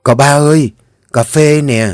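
A man's voice: fairly high pitch, no echo, voice pushed up, natural voice. A man playing a fiery young wife. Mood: calling. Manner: sharp, indignant, fast retorts. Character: spirited young wife, daughter-in-law of a rich house.

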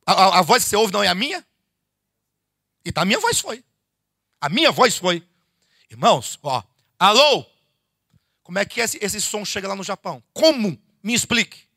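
Animated Brazilian preacher, gravelly and bright. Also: male voice, high voice, a little fast, pauses often, no echo, studio quality. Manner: animated, rhetorical questions, addresses listeners as "queridos". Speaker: bishop teaching a Bible study. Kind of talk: conversational sermon to a congregation. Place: church meeting hall.

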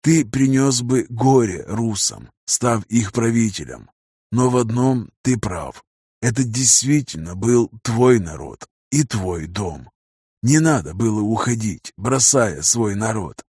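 A man voicing a calm, ruthless old patriarch in an audiobook, speaking slowly and quietly. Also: lowish voice, breathy edge, dry recording, clean studio sound, heavily acted. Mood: cold calm. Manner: slow, measured, hushed. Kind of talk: audiobook character reading.

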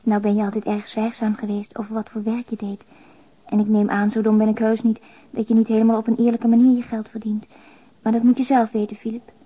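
A woman's voice: a little high, monotone, a little fast, slightly rough. An actress playing a despairing young single mother who confides in a plain, subdued way, as in a radio drama letter. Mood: tender, confiding. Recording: dull, lo-fi radio drama recording.

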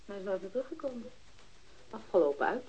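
A woman's voice: medium pitch, sing-song, quick pace, darkish tone, husky. An actress playing a frank, matter-of-fact woman who uses drugs, giving testimony in a radio crime drama. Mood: matter-of-fact, recounting. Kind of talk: Dutch radio drama dialogue. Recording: dull, lo-fi archived radio recording.

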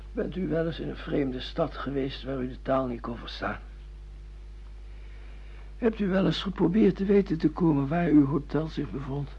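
An actor playing an irritable, disoriented husband who questions everything in a radio drama. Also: male voice, mid-range voice, gravelly, breathy edge, full character voice. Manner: querulous, questioning, exasperated. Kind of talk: radio play acting in Dutch. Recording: dull, muffled radio drama recording.

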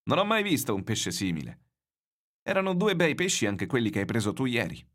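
A man's voice: medium pitch, sing-song, fairly quick, fairly bright tone, voice pushed up. A man voicing a kindly middle-aged café owner in a read-aloud novel, in a friendly, slightly raised voice.

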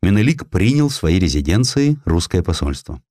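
A man reading a historical essay as an audiobook narrator, in a measured, dramatic storytelling delivery with expressive emphasis. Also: low-pitched, no room sound, clean studio sound.

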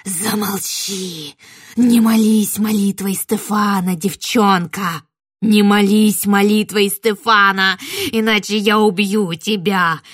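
Casting: woman doing a greedy storybook witch, slow and hissing, whispering and shouting by turns. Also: on the low side, slightly rough, no room sound, studio quality, exaggerated voice. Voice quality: rustling, whispery. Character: hissing yellow-eyed female witch, greedy, menacing.

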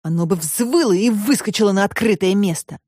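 A woman voicing a boastful, hot-headed young boy who talks brashly and excitably. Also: mid-range voice, brisk, no echo, studio quality, close to an everyday voice.

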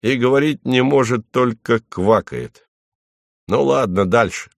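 A man voicing a blunt, boorish middle-aged male official who talks gruffly and plainly. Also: mid-range voice, a little slow, no room sound, clean studio sound. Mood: grumbling.

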